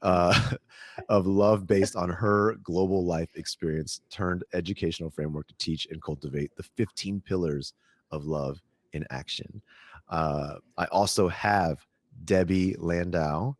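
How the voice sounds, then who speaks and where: A man with a very low voice hosts a podcast, talking in a relaxed, chatty way and often pausing on fillers and restarting his sentences. He sounds close to the mic in a dry, dead room with no echo. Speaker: podcast host. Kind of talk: podcast interview.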